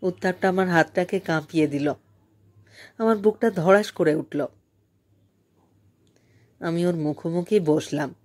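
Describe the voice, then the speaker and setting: Slow, low-voiced woman storyteller. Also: darkish tone. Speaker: audiobook narrator. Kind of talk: literary storytelling, first-person narration.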